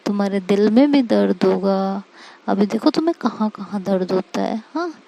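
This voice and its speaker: A woman's voice: mid-range voice, lively intonation, moderate pace, gravelly, warm tone, a little hiss or hum. A woman voicing a jealous, possessive young woman who coolly threatens and interrogates her wife. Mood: menacing.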